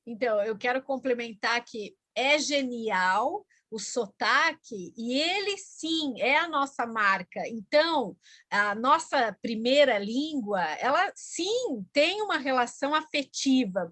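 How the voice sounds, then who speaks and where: Woman speech expert from Brazil, high pitch, dry recording, measured explainer. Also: expressive, fairly bright tone, no echo. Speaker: speech therapist. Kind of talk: explanatory panel talk.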